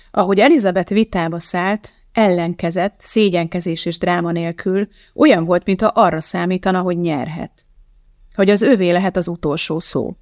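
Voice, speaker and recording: A woman narrating an audiobook in a measured, even way. Her voice is somewhat low and gravelly. The recording is dry and close. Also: dry recording.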